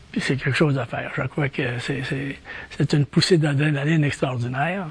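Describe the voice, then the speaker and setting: This voice has a Quebec accent and fairly even intonation. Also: man. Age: 80s+. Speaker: heart transplant patient. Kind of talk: interview testimony. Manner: halting, with repetitions and fillers.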